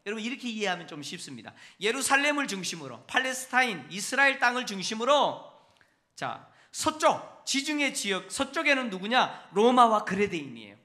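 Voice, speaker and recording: A man's voice: high-pitched, very animated, a little fast, sharp tone. A male pastor preaching a sermon in a church. He teaches step by step and keeps putting rhetorical questions to the congregation. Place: church sanctuary.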